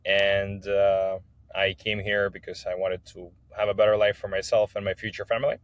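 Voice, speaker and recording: A man's voice: lowish voice, flat delivery, moderate pace, no echo, dull audio. A man from Kazakhstan, an English speaker telling his personal story as a podcast guest. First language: not English. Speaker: podcast guest, business owner.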